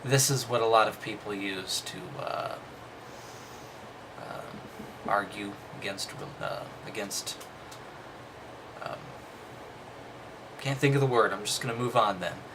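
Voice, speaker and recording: A man's voice: lowish voice, slow, long pauses, noisy background. A man reading a text aloud and commenting casually, with dry, skeptical, dismissive asides. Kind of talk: casual commentary between read-aloud passages.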